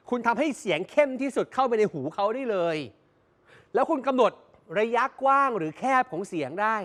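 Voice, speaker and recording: A man's voice: high-pitched, fairly bright tone. A man reporting on location for a news show, speaking straight to viewers and repeating phrases for emphasis.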